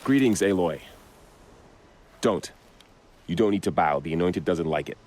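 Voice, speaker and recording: A man playing an earnest young tribal warrior in a video game cutscene, speaking in a solemn, sincere and measured way. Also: sits low, lively intonation, darkish tone, a little hiss or hum. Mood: solemn, reverent.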